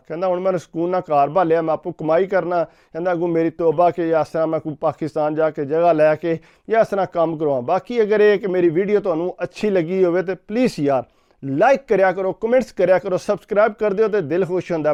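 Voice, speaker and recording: Guy vlogging a story, keeps going "he said", smooth clear voice, kinda muffled lofi audio. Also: high voice, a little mellow. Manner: rapid retelling, every sentence framed with "he said". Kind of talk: casual storytelling to camera. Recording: dull lo-fi recording.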